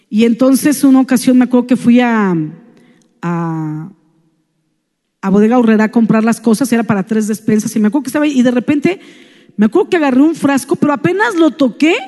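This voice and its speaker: A woman's voice: fairly high pitch, mellow, in a large hall. A woman with a Mexican Spanish accent, speaking in a church and telling a personal story within a sermon, chatty and tagging her sentences with "¿no?".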